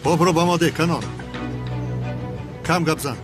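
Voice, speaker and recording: A man's voice: fairly high pitch, fairly even intonation, over music, natural voice. A man dubbing an aggressive adult man who bluntly demands what he wants. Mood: demanding. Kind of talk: film dub.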